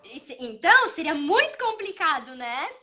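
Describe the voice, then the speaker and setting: A woman in her thirties, hosting a child psychology talk, explaining calmly and telling stories about her son with acted-out dialogue. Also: high voice, normal speed. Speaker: child psychology channel host. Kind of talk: casual advice talk.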